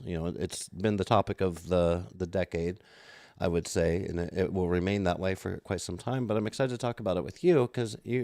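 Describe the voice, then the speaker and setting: A man's voice: sits low, gravelly, darkish tone, no echo, clean studio sound. A man hosting a live streamed industry talk show, upbeat as he runs through plugs and introduces his guest over a video call. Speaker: host.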